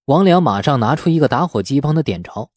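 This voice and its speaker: Male narrator for dramatic fiction audiobook, lively intonation, dry studio-like sound. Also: medium pitch, fast, no room sound. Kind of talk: scripted dramatic novel narration.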